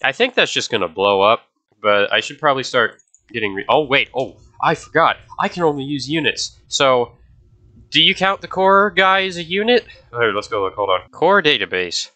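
Mid-range and expressive, this young man's voice is bright and forceful at a moderate pace. A gaming video host nursing a cold and stuffy nose, he casually chats to viewers while playing, getting distracted often.

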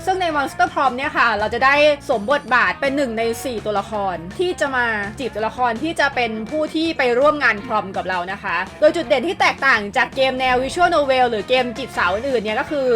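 The host is a woman whose voice sits high and sounds animated and a little bright, moving briskly with few breaks. She narrates a game list from a script in an upbeat, courteous manner, backed by music.

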